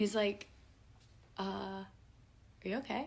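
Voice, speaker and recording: At a moderate pace, a woman with an American accent speaks on a very clean recording with a silent background. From US Midwest, Indiana (Carmel, north of Indianapolis). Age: 20s. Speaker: podcast guest. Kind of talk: casual interview. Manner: animated storytelling.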